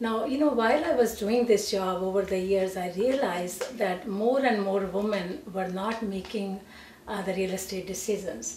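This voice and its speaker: Through audible room echo and noticeable background noise, a woman at medium pitch speaks at a moderate pace with ordinary pitch variation. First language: not English. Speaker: real estate agent. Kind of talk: panel talk on radio show.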